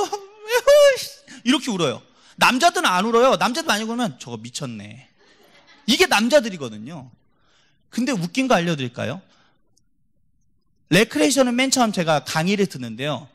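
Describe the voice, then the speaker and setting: A man preaching a sermon in church, telling stories with lively, acted-out voices and dropping from loud to hushed. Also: sits high, fast talker. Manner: animated storytelling, acts out quoted voices, swings from loud to hushed.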